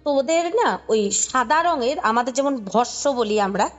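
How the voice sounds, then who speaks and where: A woman with a Kolkata Bengali accent speaks in a fairly high voice, with music playing behind her. She tells a story conversationally, explaining details and often checking that the listener follows. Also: lively intonation, normal speed. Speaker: podcast guest recounting a ghost story.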